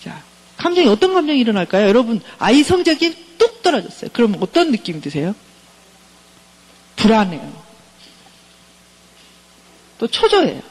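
A middle-aged woman professor lectures on counseling with a slightly husky voice. Her pitch rises and falls a lot. She keeps turning to her listeners with questions. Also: big pitch swings, normal speed, pauses often, darkish tone, poor audio. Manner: engaging, keeps asking the audience questions.

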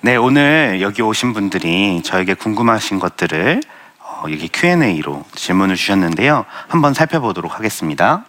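Earnest young man giving a bright testimony. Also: on the low side, very animated, moderate pace. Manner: earnest, self-deprecating storytelling with light laughs. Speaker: Christian speaker sharing testimony. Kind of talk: testimony talk with audience Q and A.

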